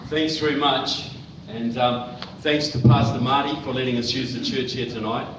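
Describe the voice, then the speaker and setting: A man's voice: mid-range voice, fairly even intonation, normal speed. A man from New Zealand with a New Zealand accent, giving a plain-spoken political speech to a live audience in a church hall. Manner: plain-spoken, direct, addresses the crowd with "look" and "folks". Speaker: guest speaker. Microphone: far-off tablet recording. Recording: roomy, distant, muffled tablet recording with noise.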